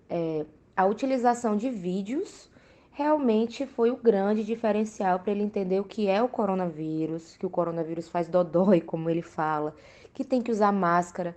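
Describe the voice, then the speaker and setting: A woman's voice: medium pitch, warm tone. A young woman with a Brazilian accent speaking casually and explaining things as an interviewed mother. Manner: explanatory, conversational. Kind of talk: casual spoken testimony.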